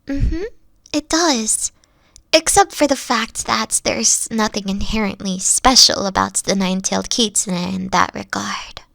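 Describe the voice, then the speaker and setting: A woman voicing a gentle, insecure young three-tailed kitsune girlfriend in an ASMR roleplay, speaking softly with frequent whispers and sighs. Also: mid-range voice, a little slow, vocal fry, no room sound. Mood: explaining. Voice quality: soft, whispery, sighing. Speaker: team lead.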